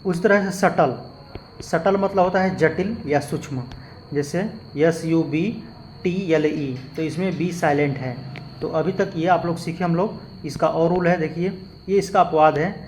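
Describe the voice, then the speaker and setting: A man's voice: a little high, a little slow, a little hiss or hum. Patient man spelling out English words. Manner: patient, repetitive explaining, spells words letter by letter. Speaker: English teacher. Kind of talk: spoken lesson with spelled-out examples.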